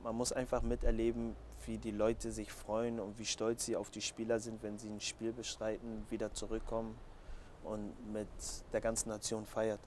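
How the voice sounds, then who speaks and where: On a terrace next to a training pitch, a Hamburg-born footballer in his twenties fields interview questions in a relaxed way, speaking at a moderate pace with a lowish, totally flat, slightly mellow voice. He's recorded outdoors on a lapel mic, and the background noise comes through clearly.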